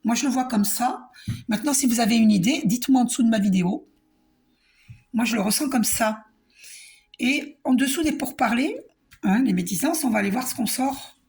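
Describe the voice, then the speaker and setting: A woman's voice: on the high side, normal speed, pauses often, darkish tone. Soothing French woman reading cards. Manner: soothing, reassuring, repeats herself with many fillers. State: coughing a little. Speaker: card reader. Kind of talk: spiritual card reading to the viewer.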